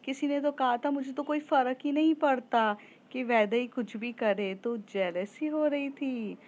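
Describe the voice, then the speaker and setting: A woman's voice: high voice, unhurried, darkish tone, voice pushed up. A woman voicing a playful young female friend who teases in a sing-song way, on a slightly muffled recording. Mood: teasing.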